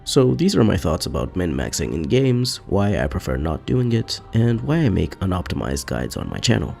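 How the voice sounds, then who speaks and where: Calm, deep, gravelly-voiced man. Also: faint music behind. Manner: calm, measured, explanatory. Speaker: gaming channel host. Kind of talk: scripted video essay narration.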